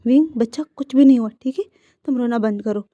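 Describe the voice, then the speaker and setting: A woman voicing a middle-aged aunt who gives quick orders and comforts a crying boy. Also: a little high, no room sound, phone-quality sound, close to an everyday voice. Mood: urgent. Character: caring middle-aged aunt, brisk and soothing.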